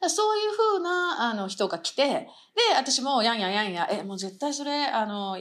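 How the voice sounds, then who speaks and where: A fairly high-pitched woman's voice with very wide pitch swings at a fairly quick pace. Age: 50s. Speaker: company founder and CEO. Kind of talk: casual chat.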